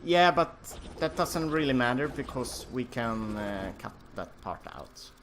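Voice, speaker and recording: A man's voice: medium pitch, animated, measured pace, fairly bright tone, a little hiss or hum. A man co-hosting a let's play, hesitant and searching for words. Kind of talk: casual game commentary. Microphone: home mic over internet call.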